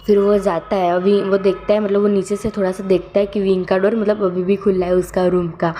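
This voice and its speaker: A woman's voice: mid-range voice, warm tone, slight background noise. A woman casually narrating a fan story, rambling with many fillers and self-corrections.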